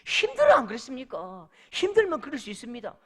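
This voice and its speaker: A man's voice: very high-pitched, wildly swooping pitch, quick pace, a loud crowd, full character voice. A male pastor with a Gyeongsang accent quoting a kindly male teacher who comforts a troubled boy. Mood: consoling. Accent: Gyeongsang Korean.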